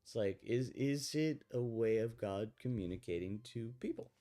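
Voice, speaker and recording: A man's voice: on the low side, expressive, moderate pace, mellow, faint music behind. A man hosting a casual podcast, musing thoughtfully and hedging his ideas with lots of "like.". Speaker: podcast host. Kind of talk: casual faith chat.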